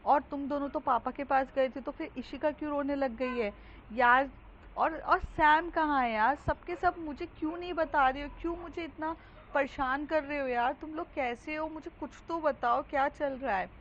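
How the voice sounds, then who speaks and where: A woman's voice: high-pitched, normal speed, pitched above the performer's own voice. A woman performs a panicked young woman in a spoken storybook, her frantic questions tumbling out one after another. The voice sits raised and strained above the narrator's own. The recording is dull and lo-fi, with a faint hiss behind it.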